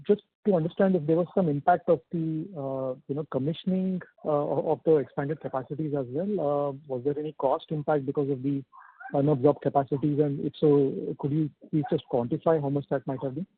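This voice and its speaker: A man's voice: fairly high pitch, fairly even intonation, fairly quick, slightly rough, no echo. A man with an Indian accent asking questions as a financial analyst on an earnings call, politely and with some hesitation. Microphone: phone. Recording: dry, narrow phone line.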